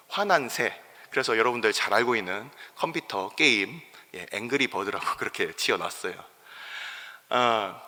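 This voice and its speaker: A male pastor preaching a sermon in a church, animated, acting out quoted complaints with his voice rising. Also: medium pitch. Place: church sanctuary. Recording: long church hall reverb.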